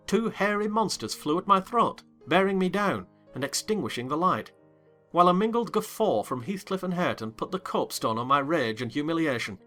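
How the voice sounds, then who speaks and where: A man narrating a dramatized classic novel in first person with a theatrical, expressive delivery, soft music beneath. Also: a little high. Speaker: audiobook narrator.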